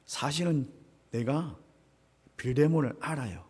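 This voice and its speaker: A man's voice: a little slow, husky, big-room sound. A man voicing a nervous young runaway slave who speaks hesitantly and stammers. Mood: confessing. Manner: hesitant, stammering, low and quiet.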